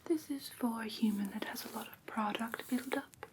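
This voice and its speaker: A woman playing a gentle vampire teacher in a whispered ASMR roleplay, patiently instructing in a soft, breathy, soothing way. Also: fairly high pitch, normal speed, slight background noise, lightly acted. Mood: gentle, instructive. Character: gentle female vampire teacher of human pet care.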